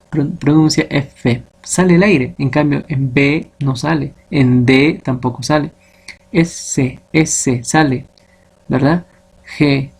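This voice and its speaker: A man's voice: a little high, creaky, a little mellow, slightly rough. A man teaching a phonetics lesson to his students, explaining step by step and often checking in with short tag questions.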